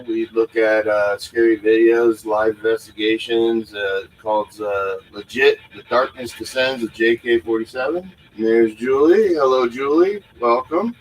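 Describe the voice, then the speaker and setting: A man with a mid-pitched voice hosts a casual paranormal livestream. He speaks unscripted and haltingly, often pausing on filler sounds as he gathers the next phrase. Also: low-quality recording. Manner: halting, hesitant delivery with frequent pauses and filler sounds. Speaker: host of a paranormal investigation livestream.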